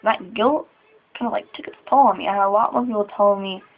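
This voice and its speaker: A 21-year-old trans man talks haltingly in a confessional vlog, his nerves showing in sighs and small laughs. His voice has a gravelly fry. The recording sounds thin and phone-like. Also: sits high, faint music behind. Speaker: vlogger.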